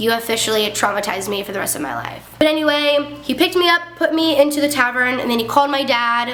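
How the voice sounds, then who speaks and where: A woman with an American accent talks very fast in a high pitch, animated and lively in intonation, amid noticeable background noise and audible room echo. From Ohio, US Midwest. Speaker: YouTube vlogger. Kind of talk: casual chat.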